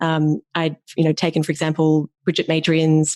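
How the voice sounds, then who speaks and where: A woman speaks with a fairly low pitch. The sound is dry and close with no echo, over a quiet background. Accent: Australian. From Australia. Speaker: app co-founder, behavioral scientist. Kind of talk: interview.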